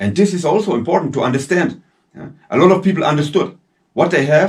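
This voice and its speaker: With a German accent, a man speaks at a moderate pace. His pitch is high and his intonation lively. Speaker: military veteran. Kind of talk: Q&A video answering viewer questions. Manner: halting, with fillers.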